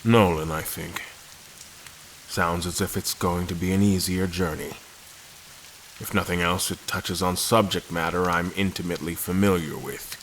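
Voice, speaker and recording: Low male voice: brooding, calculating prisoner narrating an audio drama, measured and formal, faint rain hiss. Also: steady tone, a bit bright, low-quality recording. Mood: brooding, resolute. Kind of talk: first-person scripted audio drama narration.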